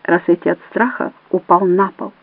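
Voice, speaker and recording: A woman reading an audiobook in a measured, even narrating voice. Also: on the low side, gravelly, no room sound. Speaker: audiobook reader. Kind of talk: scripted narration. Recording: dry, tinny phone-like audio.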